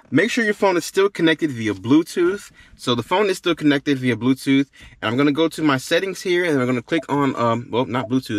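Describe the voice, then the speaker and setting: Male how-to host, casual and expressive, mid-range voice, restates key points, very dry recording. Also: medium pitch, no room sound. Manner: repeats phrases for emphasis. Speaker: tech tutorial host. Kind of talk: casual how-to demonstration talk. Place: inside a car.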